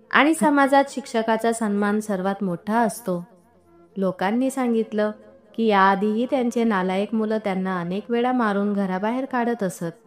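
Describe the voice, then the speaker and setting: A woman reading an emotional first-person story aloud in a steady, earnest storytelling tone. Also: on the high side. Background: faint background music.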